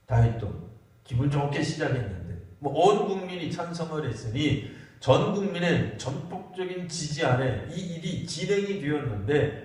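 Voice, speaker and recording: A male pastor giving a sermon at a Friday prayer meeting, speaking conversationally and posing rhetorical questions to the congregation. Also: on the high side. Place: church sanctuary. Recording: echoey church hall, mic at a distance.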